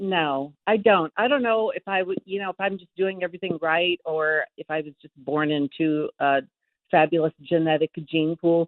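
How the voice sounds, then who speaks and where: Fairly low in pitch, a woman speaks in a plain, everyday voice. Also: ordinary pitch variation, moderate pace. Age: 60s. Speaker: caller. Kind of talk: phone-in question. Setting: phone call.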